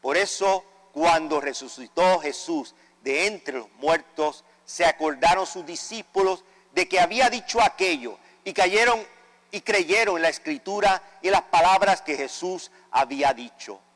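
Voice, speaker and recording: Male priest, fairly high voice, solemn measured reading, cathedral echo with a long tail. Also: a bit bright. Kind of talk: reading the Gospel at Mass. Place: large church.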